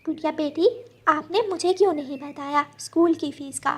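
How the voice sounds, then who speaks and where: A woman's voice: high-pitched, normal speed, a little mellow, pitched above the performer's own voice, close to an everyday voice. A woman voicing a kind, caring mother bird in a cartoon story. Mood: tender.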